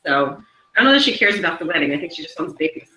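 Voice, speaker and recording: Female guest, bright tense tone, candid and teasing, roomy echo. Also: low-pitched, animated, very fast. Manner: candid, laughs easily, teasing. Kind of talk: casual interview chat. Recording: echoey room.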